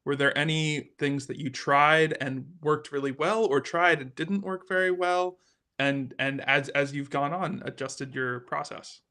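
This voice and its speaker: Guy co-hosting, somewhat high voice, informally passing questions to panelists. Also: steady tone, a little slow, bright, forceful tone. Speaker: panel co-host relaying audience questions. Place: remote online panel call.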